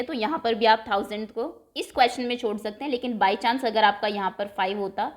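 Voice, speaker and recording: A woman teacher walks through a maths lesson at an unhurried, patient pace. Her voice sits a little on the high side, and she keeps checking in with a quick "okay?". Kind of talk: classroom lesson explanation.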